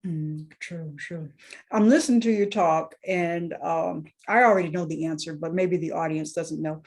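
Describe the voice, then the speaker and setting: A woman's voice: deep voice, steady tone, normal speed. Woman hosting a podcast interview. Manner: warm, affirming, conversational questions. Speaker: podcast host.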